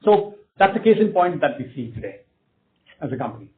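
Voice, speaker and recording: A man talks quickly and emphatically in a fairly high voice. He explains the business to analysts on an earnings call. The sound is a tinny phone line. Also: sing-song, slight background noise. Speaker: company executive answering analysts.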